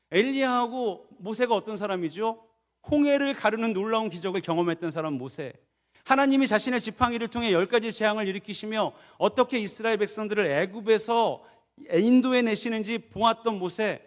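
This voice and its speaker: Male pastor, middle-aged, high-pitched, preaching in a reverberant sanctuary. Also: brisk. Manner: preaching with dramatic voiced prayers, dropping low and soft for quoted laments. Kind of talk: sermon. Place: church sanctuary. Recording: long church reverb.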